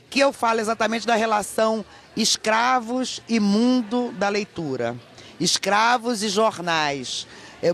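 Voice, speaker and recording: A middle-aged Brazilian woman, an academic guest giving emphatic, explanatory interview answers in Portuguese with rhetorical check-ins. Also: mid-range voice. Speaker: academic guest, professor and author. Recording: clear ambient background noise.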